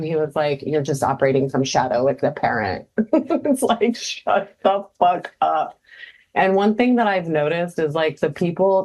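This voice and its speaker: A woman's voice: sits low, a little mellow. A woman co-hosting a podcast in casual chat, talking bluntly with a lot of swearing and frequent laughter. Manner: blunt, profane, laughs often. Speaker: podcast co-host.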